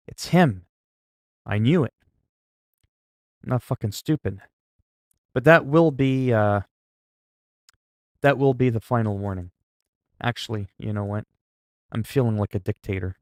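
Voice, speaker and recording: A man hosting a livestream, chatting loudly in a mock-stern, profane way with quick swings in volume. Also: mid-range voice, no room sound, clean studio sound. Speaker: livestream host. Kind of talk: casual livestream chat.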